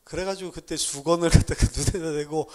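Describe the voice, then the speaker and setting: A middle-aged man preaches a sermon in church. His voice sits a little high, and he tells his stories in an animated way, often laughing at himself as he goes. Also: brisk, a crowd in the background. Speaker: pastor.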